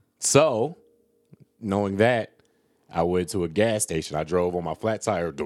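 Fairly low in pitch, a man talks at a fairly slow pace with ordinary pitch variation and long, frequent pauses. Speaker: podcast co-host. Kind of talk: casual banter. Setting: podcast recording. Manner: joking, swearing, animated.

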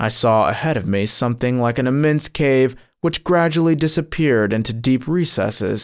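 On a very clean recording with a silent background, a man speaks in an unremarkable speaking voice. His pitch is medium, and his intonation is lively. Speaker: audiobook narrator. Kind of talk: dramatic narration of a vision. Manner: hushed, solemn, ominous; building dread, slow and intense.

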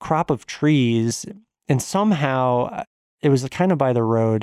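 Speaking at a fairly slow pace with an American accent, this voice has a dark, mellow tone and lively intonation, recorded dry and close with no echo on a very clean track with a silent background. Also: man. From Connecticut, US East Coast. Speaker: critical care physician. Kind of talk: casual interview. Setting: studio.

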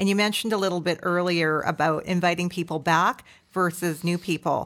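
A woman with a Canadian accent, an ordinary speaking voice, fairly low in pitch, at a fairly quick pace, on a very clean recording with a silent background. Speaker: podcast co-host. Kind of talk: interview.

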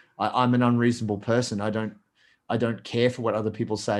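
A man with an Australian accent, medium pitch and a fairly quick pace, against a quiet background. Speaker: Brazilian jiu-jitsu athlete, coach and author. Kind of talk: interview.

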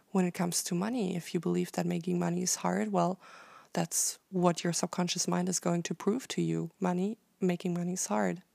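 Speaking fairly quickly with a German accent, a woman is heard in a very clean recording with a silent background and a dry, close sound with no echo. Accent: German accent, trouble with th sounds. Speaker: podcast host, spiritual life coach. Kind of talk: solo podcast monologue. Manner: frequent fillers (um).

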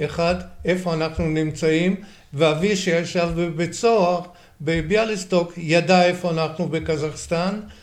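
A man's high-pitched, monotone, flat delivery at a fairly slow pace, with audible room echo. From Israel, Haifa area (born in Poland). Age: 80s+. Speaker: founder of the scout troop. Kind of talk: interview storytelling.

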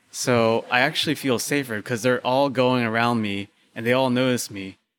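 Here a man with an American accent speaks at a moderate pace and medium pitch. The recording is very clean, the background silent. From US, San Francisco Bay Area. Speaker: bag designer and brand owner. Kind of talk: casual chat. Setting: restaurant.

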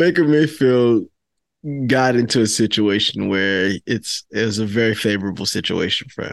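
A man's medium-pitched voice in a New York accent, with ordinary pitch variation at a moderate pace, over a quiet background. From New York City (the Bronx). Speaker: sports podcast co-host. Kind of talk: casual chat.

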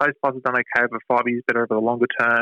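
A man speaks with an Australian accent and a bright, sharp tone. The sound is dry and close, with no echo. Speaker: superannuation ratings executive. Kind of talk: interview.

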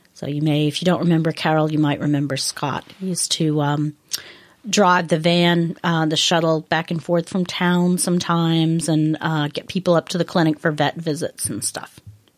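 Moderately paced, a woman speaks at a fairly low pitch. Her intonation is monotone and flat. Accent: American. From United States. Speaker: co-presenter, host's spouse. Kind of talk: casual chat.

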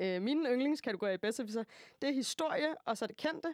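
With a normal speaking voice and lively intonation, a woman talks at a moderate pace in dry, close sound with no echo. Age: 20s. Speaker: student radio host. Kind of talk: casual chat.

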